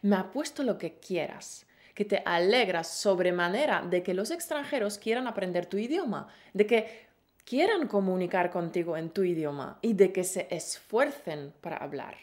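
A woman's voice: medium pitch, darkish tone. A woman co-hosting a Spanish-learning podcast, teaching in a playful, encouraging way with pet names. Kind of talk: lively scripted lesson.

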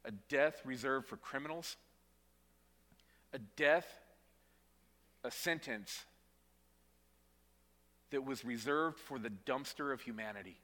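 A male pastor preaching a sermon in a church. He speaks emphatically, repeats words as he goes, and drops to quiet, weighty lines. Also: mid-range voice, slow pace, long pauses, long reverb tail. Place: church sanctuary.

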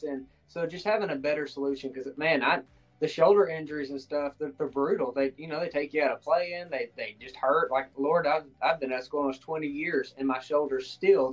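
Higher-voiced man, halting friendly host. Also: lo-fi sound. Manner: friendly, halting, with frequent restarts and fillers. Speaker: podcast host. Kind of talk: casual interview questions.

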